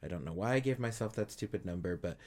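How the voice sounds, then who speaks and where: A man's voice: fairly low pitch, lively intonation, fast, darkish tone. A man in his thirties co-hosting a podcast, chatting casually and rambling a little, with easy laughs. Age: 30s. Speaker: podcast co-host. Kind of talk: casual chat.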